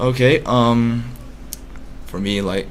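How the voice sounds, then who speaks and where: A man's medium-pitched voice with fairly even intonation and audible room echo. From international schools abroad (Thailand, South Korea, India). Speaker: campus contest contestant. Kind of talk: self-introduction interview. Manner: casual, with many fillers.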